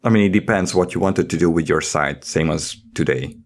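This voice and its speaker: Low-voiced man in podcast discussion. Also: a little fast. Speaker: podcast host.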